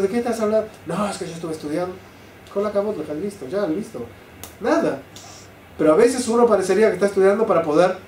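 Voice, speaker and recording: Older male rabbi, lively teacher, fond of rhetorical questions; distant mic, faint hiss. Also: fairly high pitch. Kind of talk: Torah class. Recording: roomy sound, mic at a distance, faint noise.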